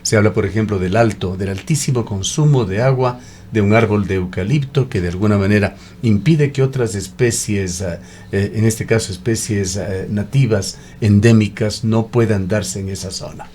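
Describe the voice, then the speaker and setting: A man hosting a radio interview, measured and prompting guests with frequent backchannels. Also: lowish voice, a little mellow, a little hiss or hum. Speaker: radio host. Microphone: studio microphone.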